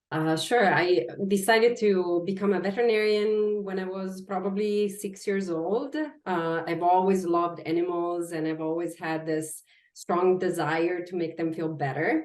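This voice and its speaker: Woman with an Italian accent, fairly low pitch, moderate pace and fairly even intonation. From Italy. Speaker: veterinary oncology professor. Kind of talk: interview. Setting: recorded webinar.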